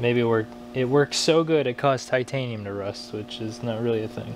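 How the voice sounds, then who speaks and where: Fairly even intonation from a male speaker, with noticeable noise in the background. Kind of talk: casual vlog chat. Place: workshop. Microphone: phone near.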